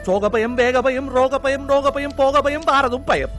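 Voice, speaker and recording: A high-voiced fearful patient with a Sri Lankan Tamil accent. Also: male voice, fairly bright tone, faint music behind. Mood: anxious listing. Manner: rapid rhyming list-like recitation, nervous. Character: timid middle-aged man afraid of everything. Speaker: patient describing his fears to a doctor. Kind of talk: film comedy acting.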